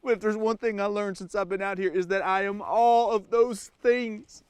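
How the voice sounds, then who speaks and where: An actor playing a lost, cold and hungry survival-show star whose confession swings between sobbing and panic. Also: male voice, mid-range voice, fairly even intonation, normal speed, darkish tone, dry recording, close to an everyday voice. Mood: confessional. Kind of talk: comic monologue acting.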